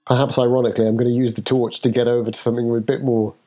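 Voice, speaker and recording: A man's voice: medium pitch, flat delivery, very fast, mellow. A man playing in a tabletop game, talking over his moves with frequent restarts. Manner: hesitant, restarts often. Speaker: player. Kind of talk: casual chat at a tabletop game.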